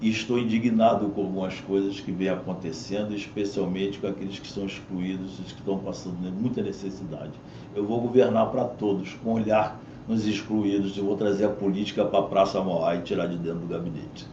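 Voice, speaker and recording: A man with a fairly low pitch talks at a moderate pace. His intonation is fairly even, and room echo is audible. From Rio de Janeiro, Brazil. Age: 60s. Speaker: physician and mayoral candidate. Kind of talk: interview. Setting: studio.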